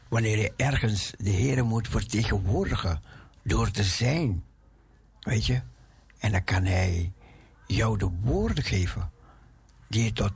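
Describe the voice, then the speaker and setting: A man preaching a sermon in a halting way, often repeating his phrases. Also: lowish voice, vocal fry, a little mellow, slightly rough.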